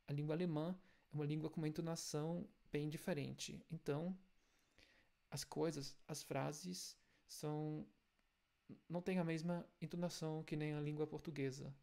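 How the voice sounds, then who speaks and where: A man with a German accent teaches his native language's pronunciation, breaking each point down and sounding out examples slowly. His voice is gravelly and sits a little high, and he keeps an even, level tone throughout. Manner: explains step by step, repeats example sounds slowly. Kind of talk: language lesson video.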